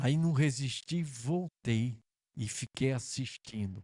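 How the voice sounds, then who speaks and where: A man is talking at a very slow pace. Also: dry, close sound with no echo, quiet background. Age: 70s. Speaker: pastor. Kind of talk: sermon.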